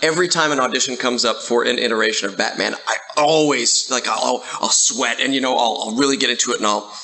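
Halting, self-deprecating man with a bright voice. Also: medium pitch, poor audio. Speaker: voice actor guest. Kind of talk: casual panel chat.

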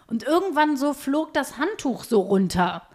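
A woman's voice: high voice, sing-song, moderate pace, darkish tone. A young woman co-hosting a podcast, casually telling personal stories in colloquial language. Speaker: podcast host. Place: recorded at a home.

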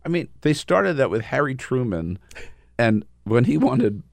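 A man hosting a casual political discussion, talking in an animated way and often tagging his points with "right?". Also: medium pitch, a little slow, gravelly, no room sound. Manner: animated, frequent "right?" tags. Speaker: host.

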